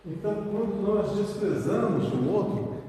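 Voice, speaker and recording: A man's voice: high-pitched, expressive, a little slow, dark tone, slight background noise. A man giving a spiritist study talk, reading short passages aloud and explaining them with rhetorical questions. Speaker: spiritist lecturer. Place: meeting hall of a spiritist center. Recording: echoey hall recorded from far off.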